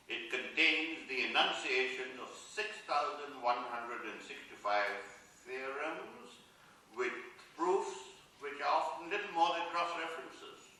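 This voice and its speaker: A man playing an exacting English mathematics professor, delivering a deliberate, oratorical lecture in a play reading. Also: on the high side, bright, forceful tone, exaggerated voice. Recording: very echoey hall, distant mic.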